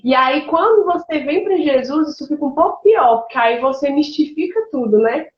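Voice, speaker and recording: High-voiced woman pastor giving testimony. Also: normal speed, reverberant, muffled recording. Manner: emotional, animated storytelling with laughs and colloquial fillers. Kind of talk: testimony in a conversational interview.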